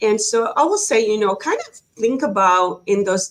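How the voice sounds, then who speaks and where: At a moderate pace, a woman speaks at medium pitch with a Spanish accent. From Ecuador. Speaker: leadership panelist, army veteran. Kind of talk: panel discussion.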